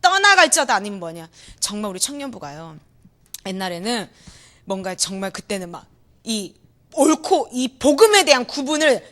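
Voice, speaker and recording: A young adult woman preaching an energetic sermon in a church hall, acting out voices, shouting and laughing as she talks. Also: medium pitch, moderate pace. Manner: animated, acts out quoted voices, shouts and laughs.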